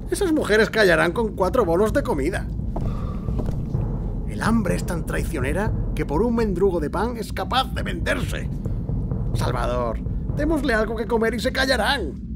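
An actor playing a commanding, cynical middle-aged governor with a Spanish accent in an audio drama, speaking in a declamatory way. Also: male voice, sits high, gravelly, background noise, heavily acted. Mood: cynical, dismissive. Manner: authoritative, declamatory. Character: cynical, commanding provincial governor in 1918 Spain.

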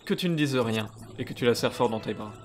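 A man's voice: mid-range voice, quick pace, slight background noise, lightly acted. Man as a composed, mature anime boy. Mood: reassuring. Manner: composed, advising. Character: calm, mature, considerate teenage anime boy. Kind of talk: amateur anime fandub acting in French. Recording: music behind the voice.

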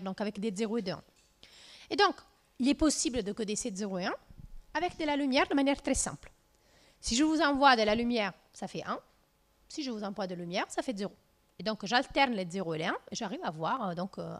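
Speaking through a handheld mic in a lecture room, a woman in her thirties from southern Italy delivers a lively physics lecture with slides. Her Italian-accented voice is fairly high-pitched, and her delivery is full of fillers and restarts.

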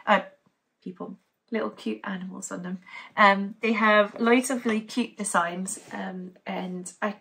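A woman's voice: medium pitch, steady tone, measured pace, creaky, a bit bright. A young woman from Denmark chatting casually to camera at home as a knitting podcaster, upbeat and rambling with many fillers. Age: young adult. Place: living room at home, indoors.

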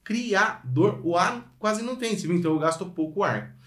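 A man with a high voice talks fast in a roomy-sounding space, teaching violin online with a Brazilian Portuguese accent. Energetic and direct with the viewer, he demonstrates by singing phrases.

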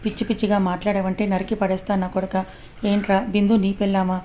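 A woman voicing an angry young husband who shouts threats over the phone, speaking in her own mellow, even voice. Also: mid-range voice, fast, a little hiss or hum, close to an everyday voice. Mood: furious. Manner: shouting threats, then sobbing confession. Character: angry young husband searching for his wife.

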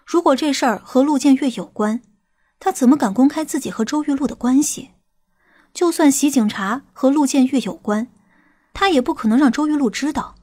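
A woman acting a female character in an audiobook crime drama, with a husky voice. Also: high-pitched, darkish tone.

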